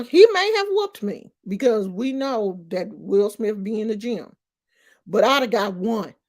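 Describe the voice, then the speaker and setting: Woman, 50s, slow unhurried delivery, emphatic, streetwise, casual vlog commentary. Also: medium pitch, darkish tone. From Oakland, California. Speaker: vlogger.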